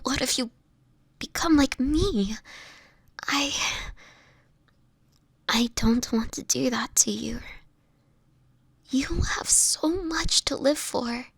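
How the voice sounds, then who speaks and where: Breathy, fragile vampire woman, acted out by a woman. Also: high-pitched, no room sound, exaggerated voice. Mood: distressed, pleading. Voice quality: breathy, often whispered. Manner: tender, halting, earnest, formal wording. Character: sickly homeless young female vampire, gentle, anguished, self-sacrificing. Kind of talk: intimate dramatic audio roleplay to the listener.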